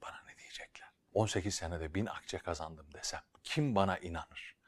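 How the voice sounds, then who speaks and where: A man voicing a worried male traveler who grumbles to himself, scolding himself in hushed mutters and exasperated outbursts. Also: sits low, moderate pace, husky. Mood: grumbling to himself.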